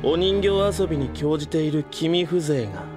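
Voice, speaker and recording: Smug, high-pitched villain swordsman, acted by a man. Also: lively intonation, moderate pace, music in the background, natural voice. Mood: mocking. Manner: sneering, theatrical, haughty. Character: smug, sadistic, mocking young male villain swordsman. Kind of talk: Japanese anime-style audio drama acting.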